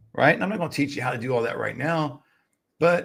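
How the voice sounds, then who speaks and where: A man speaks with an American accent. His voice is fairly high in pitch and somewhat breathy. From Virginia, US. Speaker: senior placement business coach. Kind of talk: live stream talk. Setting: live stream on social media. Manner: casual, conversational.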